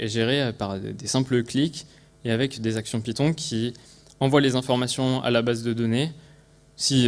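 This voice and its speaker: The speaker is a French man, accented accordingly, explaining a technical project as a conference presenter. He talks at medium pitch in a halting way, often repeating short words and beginning phrases over.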